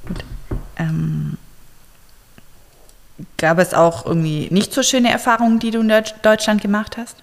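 A woman interviewing a young man, asking gentle, careful questions with frequent fillers. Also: medium pitch, level tone, a little slow, vocal fry, long pauses, in a large hall.

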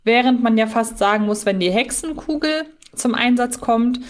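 Slightly high-voiced woman hosting a podcast. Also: moderate pace. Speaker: podcast co-host. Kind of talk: casual fan podcast chat.

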